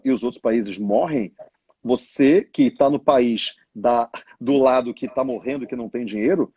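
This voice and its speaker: A man's voice: mid-range voice, dark tone, husky, no room sound, dull audio. A man talking business trends in a casual, emphatic way, often voicing what others might think. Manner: colloquial, emphatic, acts out others' thoughts. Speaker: business educator.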